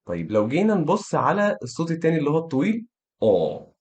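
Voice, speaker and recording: A man with an Egyptian Arabic accent teaching pronunciation, encouraging his students and slowly demonstrating vowel sounds over and over. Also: a little high, very animated. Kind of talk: online pronunciation lesson.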